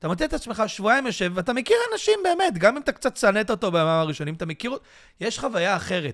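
On a very clean recording with a silent background, a man speaks at a fairly quick pace, the sound dry and close with no echo. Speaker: podcast host. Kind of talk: casual chat.

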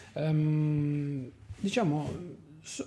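A man's dark, mellow voice. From Italy, Turin. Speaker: tech podcast host. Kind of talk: solo tech review monologue. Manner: hesitant, frequent repetitions.

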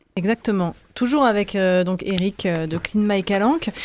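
A woman with an ordinary speaking voice talks at a moderate pace in a medium pitch with ordinary pitch variation. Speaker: radio host, interviewer. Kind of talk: casual radio interview. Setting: radio studio.

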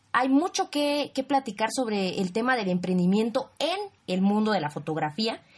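Against a quiet background, a woman with a Mexican accent talks at a moderate pace in an animated tone, her fairly high pitch making very wide swings. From Mexico. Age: 20s. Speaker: podcast host. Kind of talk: casual interview.

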